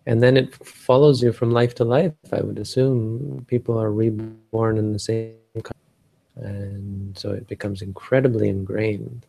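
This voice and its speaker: Low gravelly man, flat delivery. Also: a little slow, low-quality recording. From Canada. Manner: rambling, searching for words, many restarts. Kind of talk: casual talk on a live stream. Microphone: live stream setup.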